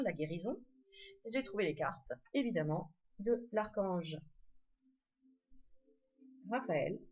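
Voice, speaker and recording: A woman's voice: mid-range voice, dull audio. A woman casually showing her tarot and oracle card decks, chatty, with many fillers and restarts. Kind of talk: casual show-and-tell.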